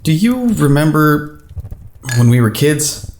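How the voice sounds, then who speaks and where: A man playing a hesitant, reflective friend in quiet, naturalistic audio drama dialogue. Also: on the high side, sing-song, slow, exaggerated voice. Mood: subdued.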